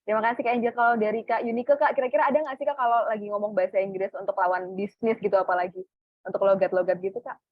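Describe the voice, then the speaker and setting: A woman's voice: mid-range voice, fairly even intonation, rapid-fire, no room sound, narrow, tinny audio. A woman moderating a webinar, thanking speakers and announcing promotions with frequent fillers. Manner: friendly, filler-heavy, addresses audience.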